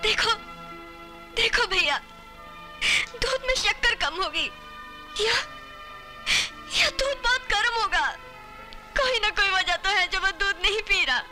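A woman's voice: extremely high pitch, lively intonation, slow pace, pauses often, music in the background, heavily acted. An actress playing a desperate young mother begging for her kidnapped baby, tearful and pleading. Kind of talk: 1990s Hindi film melodrama.

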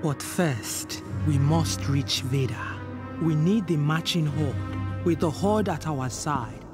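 An earnest tribal leader speaks in formal, urgent tones. His voice sits a little high. Game music swells behind him. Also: slow pace. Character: noble male tribal leader, earnest and grave. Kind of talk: game character dialogue. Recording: game audio with loud music.

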